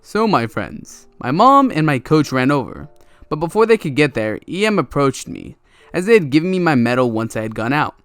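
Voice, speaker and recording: A man's voice: fairly high pitch, sing-song, moderate pace, clear, resonant tone, no echo. A young man reading online stories aloud in a casual way, with laughing, stumbling asides. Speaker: reddit story narrator. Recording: soft music bed under voice. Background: quiet background music.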